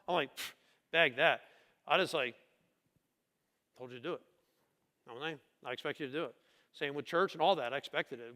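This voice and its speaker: High-voiced pastor preaching in a reverberant church. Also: male voice, fairly bright tone. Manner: emphatic, asks the congregation rhetorical questions. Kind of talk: conversational sermon. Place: church sanctuary. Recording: long reverb of a church hall.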